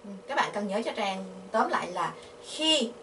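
A woman's voice: mid-range voice, sing-song, bright, forceful tone. Vietnamese-accented woman, patient grammar teacher, roomy distant sound with faint hiss. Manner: patient, asks the class questions, repeats syllables slowly. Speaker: Korean language teacher. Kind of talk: explaining grammar. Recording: echoey, from a distance, faint noise.

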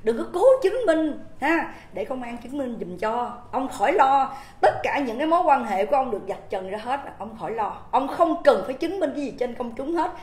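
A woman's voice: sits high, lively intonation, fairly quick, few pauses, a little mellow. A woman with a Southern Vietnamese accent giving an impassioned livestream monologue, indignant and emphatic, firing rhetorical questions at her viewers. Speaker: livestream host. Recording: roomy echoing room.

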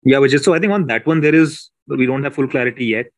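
A man speaking as a company executive, giving measured, hesitant answers on an earnings call. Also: medium pitch, dry recording. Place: conference call.

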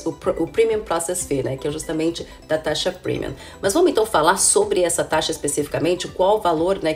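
In her thirties, this woman hosts a channel and works as an immigration consultant, and her voice is hoarse and rough from a cold, mid-range with a darkish tone. She chats casually to the camera in an informative vlog, calling her viewers "gente" and often tossing in "né?" and "viu?". She's in an indoor room with window blinds, recorded by a camera at close range.

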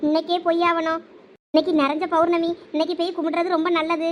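A woman's voice: extremely high pitch, little pitch movement, quick pace, a little hiss or hum. A woman in a village comedy skit, voicing a fretful, superstitious mother who coaxes her son. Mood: pleading. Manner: pleading, coaxing.

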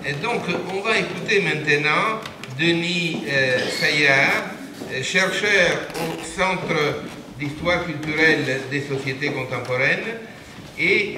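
An older man moderates a conference panel, his speech slow and broken by fillers. His voice sits a bit high for a man. It is picked up from a distance in an echoey room with steady background noise. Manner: halting, many pauses and fillers. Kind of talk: introducing speakers at a panel. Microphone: table mic on stand.

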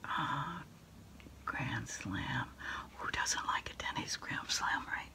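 A middle-aged American woman whispering an ASMR role-play as someone taking phone orders, unhurried and pausing as if listening to a caller. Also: very deep voice, wildly swooping pitch, pushed and bright. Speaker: ASMR creator role-playing a food delivery order taker.

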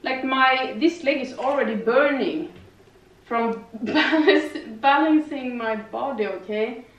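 A young woman with a foreign accent talks in a loose, rambling way, dotting her sentences with fillers and tag questions. Her voice sits a little high. It comes from a camera across an echoey living room, sounding distant and slightly dull. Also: slow. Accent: non-native English, lives in Sweden. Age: young adult. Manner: rambling, chatty, lots of fillers and "okay?". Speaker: vlogger. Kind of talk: casual chat while doing yoga. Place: living room with slanted ceiling, indoors. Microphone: far camera.

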